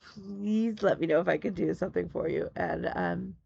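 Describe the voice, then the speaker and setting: Gravelly-voiced chatty middle-aged woman. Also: fairly low pitch, moderate pace, a little mellow, muffled recording. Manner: chatty, rambling storyteller. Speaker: cross-stitch vlogger. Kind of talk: casual chat.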